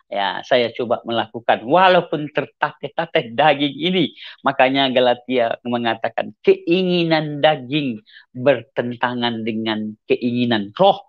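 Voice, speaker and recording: A middle-aged man from Aceh, Indonesia, with a mixed Acehnese accent, giving an earnest personal testimony as an evangelist. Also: measured pace. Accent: Acehnese with mixed Medan, Timor and Malaysian traces. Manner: earnest, repetitive, sudden rises in pitch for emphasis. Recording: slightly dull lo-fi audio.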